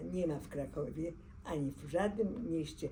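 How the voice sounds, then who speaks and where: Lively in intonation yet fairly slow in pace, a woman speaks with vocal fry. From Kraków, Poland. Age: old. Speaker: Holocaust survivor. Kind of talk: talk to an audience.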